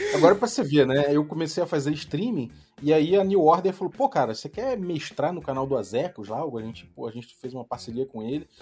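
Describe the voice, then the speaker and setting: Over noticeable background noise, a man with a fairly high pitch talks at a fairly quick pace with hardly any pauses, very wide pitch swings and big swings in loudness. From Rio de Janeiro, Brazil. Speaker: RPG podcaster and author. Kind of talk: casual chat.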